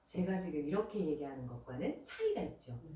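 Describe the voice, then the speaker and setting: A put-on character voice, resonant, at a middle pitch and a fairly quick pace. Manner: using mouth-cavity resonance.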